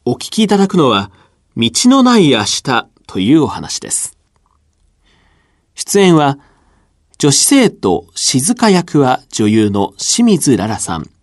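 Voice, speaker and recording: A man announcing in a scripted radio program, reading in a clear, measured way. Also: medium pitch, very animated, no echo, studio quality.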